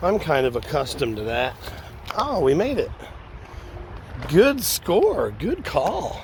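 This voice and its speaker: A man speaks at a very slow pace amid noticeable background noise. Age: 70s. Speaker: vlogger. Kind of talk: casual vlog monologue. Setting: outdoors.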